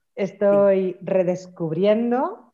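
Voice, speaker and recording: A woman at medium pitch with ordinary pitch variation. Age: 30s. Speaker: communication trainer and entrepreneur. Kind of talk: interview conversation.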